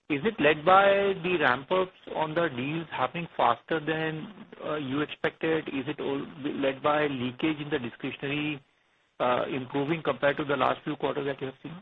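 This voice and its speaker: A man's voice comes through a tinny phone line, slightly high and husky. He puts questions to company leaders on an earnings call, politely and in a measured way. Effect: over a phone line. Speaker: financial analyst asking questions.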